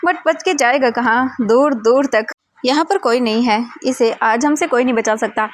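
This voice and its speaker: A woman voicing sleazy, menacing young men who taunt slowly and smugly. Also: on the high side, lightly acted. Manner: slow, smug, taunting.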